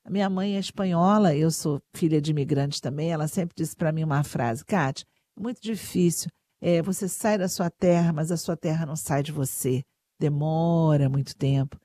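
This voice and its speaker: Woman interviewer, warm attentive questions, slightly low voice, dry sound. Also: moderate pace, dry recording.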